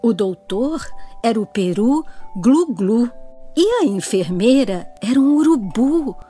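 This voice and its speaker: Slow, melodic Brazilian woman storyteller. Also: fairly high pitch, animated, dark tone, faint music behind. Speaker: narrator. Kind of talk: children's storybook narration.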